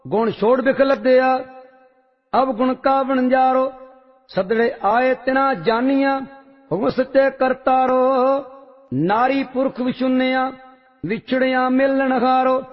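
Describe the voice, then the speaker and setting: A man reciting religious hymns in a measured, sing-song chant. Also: very high-pitched. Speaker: scripture reciter. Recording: long reverb, dull lo-fi sound, faint music.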